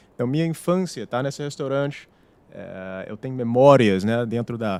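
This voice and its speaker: A man's fairly slow speech with an English accent and big swings in loudness, on a very clean recording with a silent background. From New York City, US. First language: English (speaking Portuguese). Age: 30s. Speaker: chef and restaurateur. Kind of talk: interview. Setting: studio.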